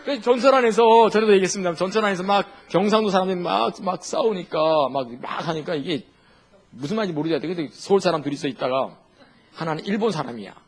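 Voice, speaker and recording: A male pastor delivers a sermon, humorous and animated, firing off rhetorical questions. His voice is somewhat husky and sits a bit high. His pitch rises and falls in a lively way. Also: fast talker.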